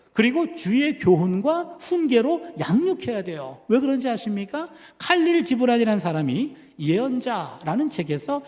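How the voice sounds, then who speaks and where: A man's voice: sits high, darkish tone. A male pastor preaching a sermon, telling a family story and acting out the dialogue. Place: church sanctuary. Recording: long church reverb.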